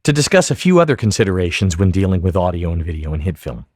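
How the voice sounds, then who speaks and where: Man, tutorial narration, methodical, lowish voice, varied intonation, dry sound. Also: very animated, fast, a little mellow, no room sound. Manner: methodical, explanatory. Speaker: software tutorial instructor. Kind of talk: instructional screen-recording narration.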